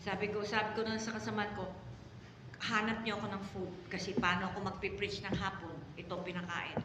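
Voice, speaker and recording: A woman's voice: medium pitch, little pitch movement. Filipino woman pastor preaching in echoey hall. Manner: storytelling with sudden loud exclamations and drawn-out emphasis. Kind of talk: Taglish preaching sermon. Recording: echoey hall reverb, faint background noise.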